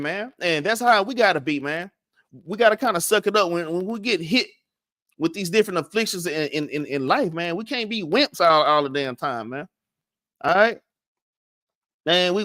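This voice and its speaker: A high, slightly bright male voice with a Southern US accent teaches a casual scripture lesson. He stutters, restarts frequently and ends lines with "man" or "all right?" The studio sound is clean and dry.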